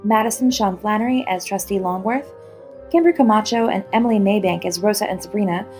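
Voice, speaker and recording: A woman's voice: medium pitch, brisk, darkish tone, faint music behind. A woman reading scripted end credits as the announcer of an audio drama.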